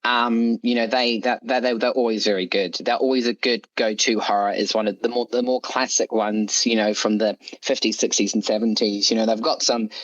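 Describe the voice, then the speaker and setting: A man's voice: lowish voice, little pitch movement, moderate pace, few pauses, no room sound, lo-fi sound. A man speaking as an author being interviewed, chatting casually in a rambling, hedging way. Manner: rambling, hedging with frequent "you know" and "like". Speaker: interview guest, horror story author.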